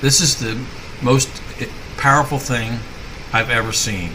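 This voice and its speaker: A man's medium-pitched voice at a moderate pace, with audible room echo and noticeable background noise. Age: 60s. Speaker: client giving testimonial. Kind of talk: testimonial.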